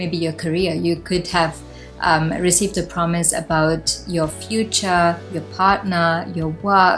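There is faint music in the background. A woman speaks at a moderate pace with a fairly low pitch. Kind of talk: casual vlog chat. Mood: earnest, encouraging, faith-based. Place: home room.

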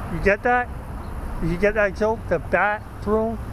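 A man speaks over noticeable background noise. The sound is dry, with no echo. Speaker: vlogger. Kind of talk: casual vlog chat. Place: street. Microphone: phone near.

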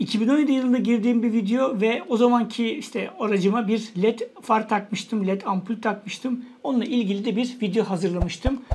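Light background noise sits behind a man talking at a fairly quick pace. His pitch is high. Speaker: tech channel host. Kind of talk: product review talk. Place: home room.

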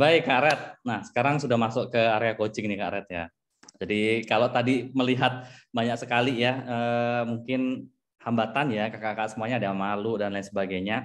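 A man's normal speaking voice at medium pitch, with fairly even intonation and a fairly quick pace. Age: young. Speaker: CSR professional and workshop speaker. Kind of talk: online workshop talk.

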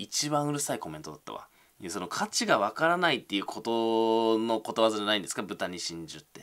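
A man speaks at a fairly quick pace and medium pitch. The background is quiet. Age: 20s. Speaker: YouTuber. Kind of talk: casual chat. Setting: home room. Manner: distinctive intonation. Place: home room. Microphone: phone near.

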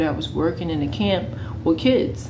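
A woman speaks in an American accent at a moderate pace and a very deep, low pitch. Noticeable background noise is present. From New York City (Brooklyn). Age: 30s. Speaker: YouTuber and parent. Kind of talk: casual vlog monologue. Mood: earnest, critical. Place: home room. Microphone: phone near.

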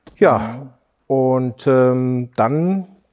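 A man speaks with medium pitch. The background is quiet. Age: 40s. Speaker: custom motorcycle builder; interviewee. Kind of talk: interview. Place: workshop.

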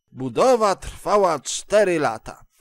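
Very wide pitch swings run through this man's speech. He talks at a very slow pace. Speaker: audiobook narrator. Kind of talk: poem audiobook reading, satirical verse read aloud. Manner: steady storyteller pace, stressing rhymes.

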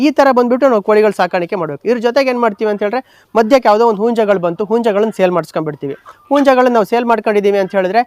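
The sound is dry and close, with no echo. A man talks in a high pitch with ordinary pitch variation. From Karnataka, Shivamogga district. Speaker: poultry farmer. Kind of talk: casual explanation.

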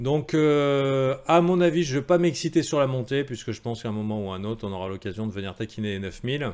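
Lively in intonation, a man talks at a fairly quick pace with hardly any pauses. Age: 40s. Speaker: crypto trading analyst. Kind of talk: market analysis video. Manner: casual, hesitant with fillers.

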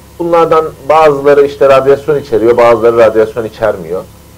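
His speed is moderate. The man's pitch moves in an ordinary way. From Hatay, southern Turkey. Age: 30s. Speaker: interventional radiologist. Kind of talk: live-stream interview, explaining. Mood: calm explanatory.

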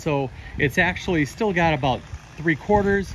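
A man is talking. Music plays in the background. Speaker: building contractor. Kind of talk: explanatory walkthrough commentary. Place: garden. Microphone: phone near.

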